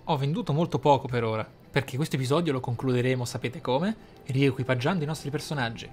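A man giving casual, excitable playthrough commentary, often thinking aloud. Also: mid-range voice, fast, slight background noise. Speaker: gaming channel host. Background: game music.

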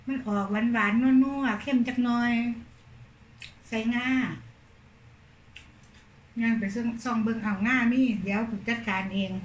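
A woman with an Isan accent, casually telling a story from her day to her viewers in a chatty, animated way. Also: on the high side, a little slow, pauses often, echoey room. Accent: Isan (Northeastern Thai). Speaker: vlogger.

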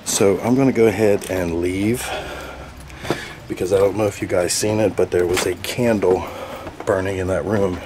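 A man's voice: sits low, steady tone, moderate pace. A man in his forties exploring an abandoned motel, talking to a handheld camera at arm's length with lots of fillers. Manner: rambling with many fillers. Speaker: urban explorer vlogger. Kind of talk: casual vlog walkthrough. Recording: outdoor noise behind.

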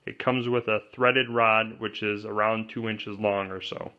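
A man's voice: lowish voice, level tone, unhurried, muffled recording. A man walking through a homemade camera pole build step by step, in a plainspoken way, pointing out each part. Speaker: DIY kayak gear presenter. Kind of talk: hands-on how-to walkthrough. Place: indoors at a wooden table. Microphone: off-camera voice over overhead shot of hands.

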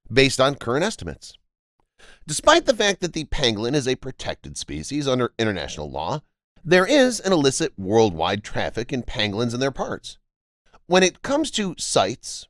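Male narrator, mid-pitched, animated delivery, dry close-mic voice-over. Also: no echo. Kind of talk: scripted documentary narration.

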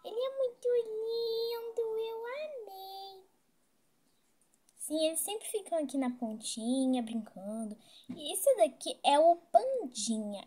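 A woman's voice: high-pitched, warm tone, slightly rough. A woman with a Brazilian Portuguese accent, chatting casually to viewers while role-playing in a game. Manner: chatty, keeps addressing viewers. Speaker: game vlogger.

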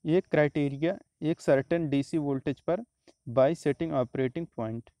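A man walks through exam questions one by one, repeating each answer in a steady teaching manner. His voice is mellow and smooth, a little higher than most men's. The recording is close and dry. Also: takes it slowly, no echo. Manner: steady explanatory, repeats answers, frequent "तो देखिए" and "आपका". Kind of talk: explaining exam questions over slides.

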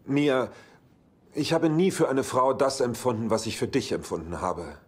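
An actor in a German sitcom dub playing a heartbroken, impulsive womanizer with a halting, dryly flippant way of talking. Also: medium pitch, very animated, close to an everyday voice. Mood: earnest. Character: heartbroken, wisecracking womanizing bachelor, impulsive and self-pitying. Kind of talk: German-dubbed sitcom acting.

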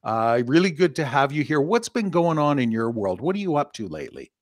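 An older man hosts a podcast from his home office, talking into a studio mic on a video call. He is chatty and upbeat and laughs easily, and his voice sits at an ordinary pitch with a dry, close sound. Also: sing-song, brisk, dry recording. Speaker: podcast host. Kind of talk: casual podcast chat. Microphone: studio mic on arm, video call.

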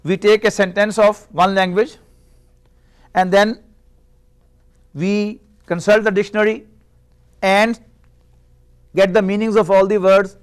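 High-voiced man lecturing on Arabic grammar. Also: little pitch movement, clear, resonant tone. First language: Urdu. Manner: measured, explanatory, rhetorical questions. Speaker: Arabic teacher. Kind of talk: classroom lecture. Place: small classroom indoors. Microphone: lapel mic.

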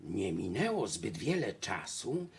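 Slow, husky male storyteller. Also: lowish voice, very animated, darkish tone. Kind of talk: fairy-tale narration.

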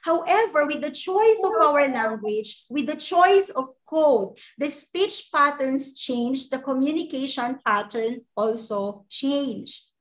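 A woman's voice: high-pitched, lively intonation, takes it slowly, low-quality recording. A Filipino woman whose first language is Ilocano, giving an online lecture over a video call and explaining patiently, often checking in with "okay?". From Philippines.

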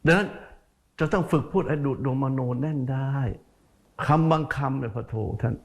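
A man's voice: medium pitch, moderate pace, creaky. A male Buddhist monk giving a folksy sermon, speaking straight to his listeners and repeating words for emphasis. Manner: speaks to listeners directly as "sir".

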